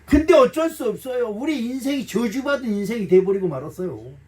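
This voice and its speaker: Brisk and very animated, a middle-aged male pastor preaches in a high voice, folksy and full of emotion, acting out voices and firing off blunt jokes to his listeners. He's picked up from a distance in the church sanctuary, so his sound sits back from the mic.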